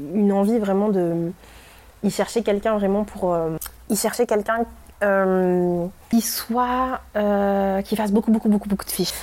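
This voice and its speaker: The tone is dark and mellow, with very even loudness and fairly even intonation. The pace is fairly slow, with long, frequent pauses. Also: woman, medium pitch for a woman. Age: 20s. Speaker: podcaster, web copywriter. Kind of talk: personal audio diary. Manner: halting, many fillers.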